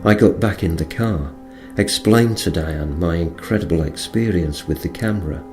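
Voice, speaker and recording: A man's voice: low voice, normal speed, music in the background. A man reading a first-person account aloud as scripted narration. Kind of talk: scripted audiobook-style narration.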